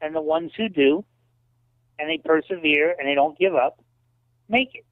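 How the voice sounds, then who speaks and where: A man in his fifths decade, his late fifties, tells lively anecdotes as a guest in a casual storytelling interview, peppering them with "you know." His voice is a little high for a man, at a moderate pace, and arrives over a thin, phone-like line that's completely dry with no room sound.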